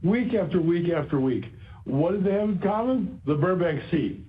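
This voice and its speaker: A man speaking as a company executive on an earnings call, explaining in a halting way and repeating phrases for emphasis. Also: high voice, animated. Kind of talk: earnings call remarks, semi-prepared explanation. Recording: dull, band-limited conference call audio.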